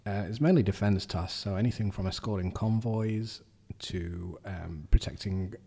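A man's voice: lowish voice, moderate pace, creaky, dark tone, breathy edge. A man in his forties from Sheffield, a guest author giving plain, matter-of-fact answers in an interview. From Sheffield, England. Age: 40s.

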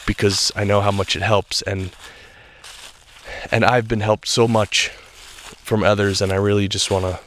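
A man with a slightly low voice speaks earnestly and reflectively as the host of his own spiritual podcast. He is a little stuffed up, so he sounds faintly nasal. He talks while walking outdoors, with faint crinkling and clicks behind him. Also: fairly bright tone, slight background noise. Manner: earnest, reflective, loose talk with restarts. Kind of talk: solo spiritual podcast monologue. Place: walking outdoors in a state park.

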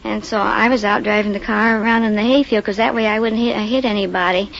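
A woman's voice: mid-range voice, steady tone, fast talker, vocal fry. A woman from Illinois, a quiz contestant, telling a story in a hesitant, rambling way. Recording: muffled old radio broadcast with faint hiss.

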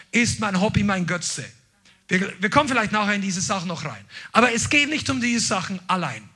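A man preaching a sermon with passion, swinging between loud declarations and quick, quiet asides, now and then dropping in English words. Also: sits high, breathy edge.

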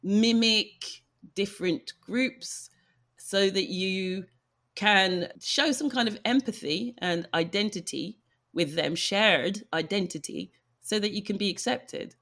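A woman hosting an interview podcast, from Nigeria. She talks in a reflective, storytelling way at a middle pitch. Her manner is conversational and unhurried. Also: fairly bright tone. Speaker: podcast host.

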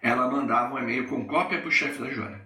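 Speaking briskly in a mid-range voice with a Brazilian Portuguese accent, a middle-aged Brazilian coaching podcast host recounts a workplace story. He animatedly plays the people in it, and he sits far from the mic in a room with echo.

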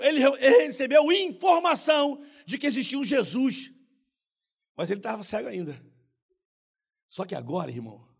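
Preacher guy, high husky voice, swings up and down a lot, yelling bits. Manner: animated, calls listeners "irmão", bursts into shouts. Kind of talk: lively sermon with audience role-play.

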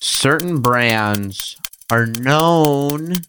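Man, podcast co-host, giving clues, patient, prodding, mid pitch. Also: animated, very slow, sharp tone, a little hiss or hum. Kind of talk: giving clues in a word game.

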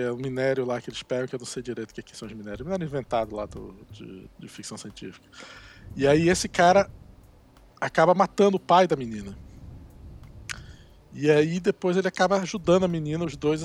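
A man co-hosting a casual chat, explaining haltingly and searching for words. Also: fairly high pitch, darkish tone. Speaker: podcast co-host.

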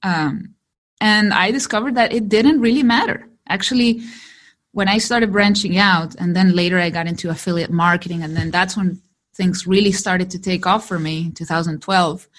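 A woman from Chile whose first language is Spanish, a digital marketer telling her story in a lively interview and laughing often. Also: on the low side, normal speed. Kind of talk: conversational interview.

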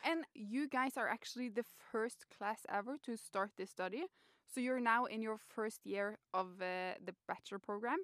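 A woman's voice: a little high, moderate pace, a bit bright, no echo, clean studio sound. A woman co-hosting a podcast, asking curious questions with encouraging interjections. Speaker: podcast co-host.

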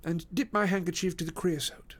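A man voicing a brisk, commanding Victorian detective in an audiobook, crisp and directive as he gives instructions. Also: high voice, fairly even intonation, pitched above the performer's own voice. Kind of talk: audiobook character voice.

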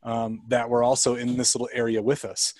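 A man working as a high-performance coach, chatting casually and telling stories in an upbeat, energetic way. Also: a little fast. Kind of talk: casual podcast chat.

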